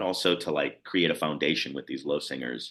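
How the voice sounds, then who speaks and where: A man's very deep, low voice with an American accent, a bright, sharp tone, vocal fry, ordinary pitch variation and a moderate pace. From US Midwest, north side of Chicago. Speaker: actor and composer. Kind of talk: interview. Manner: halting.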